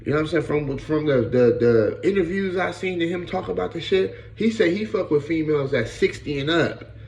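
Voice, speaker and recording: Man in his late 30s, gravelly, blunt street-talk commentary, echoey room with faint ambience. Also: fairly high pitch, brisk, darkish tone, a little hiss or hum. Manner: blunt, profane, repeats "bro" and "you know what I'm saying". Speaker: podcast host. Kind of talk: casual commentary.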